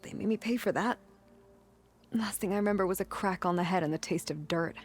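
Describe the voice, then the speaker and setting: A woman's voice: mid-range voice, fairly quick, close to an everyday voice. A woman playing a battered tribal warrior in a game cutscene, blunt and weary in the way she talks. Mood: weary, bitter. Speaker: game character actor. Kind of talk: dramatic game cutscene acting. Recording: music behind the voice.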